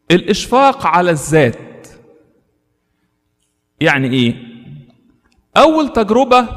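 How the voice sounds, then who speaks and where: Egyptian male priest, high voice, animated sermon, long church reverb. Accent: Egyptian Arabic. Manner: animated preaching, acts out tempting voices.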